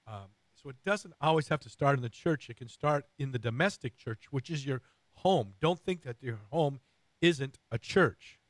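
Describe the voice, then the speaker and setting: Man, middle-aged, radio host, raspy, hoarse, earnest rambling, dry close sound. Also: medium pitch, expressive, normal speed, dry recording. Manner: earnest, rambling with many fillers and restarts.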